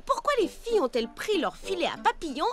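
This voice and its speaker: A woman's voice: very high voice, very animated, fast talker. A woman voicing an eager, self-important young girl playing detective in a French-dubbed children's cartoon, theatrical and self-assured. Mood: pondering, smug. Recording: loud music behind the voice.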